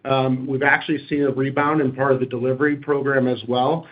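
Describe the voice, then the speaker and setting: A man speaking as a company executive on an earnings call, in measured corporate phrasing. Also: mid-range voice, flat delivery. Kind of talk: prepared remarks and corporate question answering. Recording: dull, lo-fi conference call audio.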